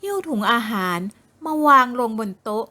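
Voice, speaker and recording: A woman narrating a novel in a slow, measured storytelling manner. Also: on the high side, big pitch swings, bright, forceful tone. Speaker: audiobook narrator.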